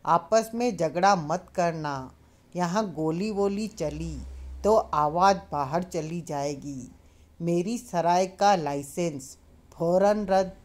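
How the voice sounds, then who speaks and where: A woman's voice: on the low side, slow, darkish tone. A woman voicing a fearful, talkative female innkeeper in a storybook reading. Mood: nagging. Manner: chattering, fearful.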